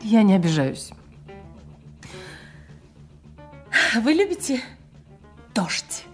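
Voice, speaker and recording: An actress playing a cynical, seductive cabaret singer in an audio drama, with a languid, teasing delivery. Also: female voice, mid-range voice, sing-song, unhurried, soft background music. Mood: wistful. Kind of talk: dramatic audio play dialogue.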